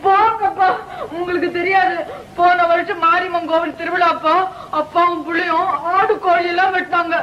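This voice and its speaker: A woman's voice: extremely high pitch, level tone, normal speed. An actress playing a timid, easily frightened young village woman in an old film, pleading in a childlike way. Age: young adult. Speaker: daughter. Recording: dull old film soundtrack.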